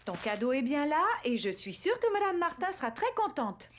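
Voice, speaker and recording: A woman's voice: high-pitched, very animated, normal speed. A woman voicing a patient, reassuring mother of a small boy in a children's cartoon.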